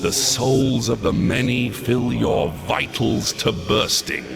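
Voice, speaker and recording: Gravelly, gloating demon mastermind. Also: male voice, mid-range voice, little pitch movement, slow pace. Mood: menacing. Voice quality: gravelly, creaky. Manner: theatrical, taunting, pompous. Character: gloating, mocking ancient demon mastermind, male. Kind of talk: video game villain acting. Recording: loud music over the voice.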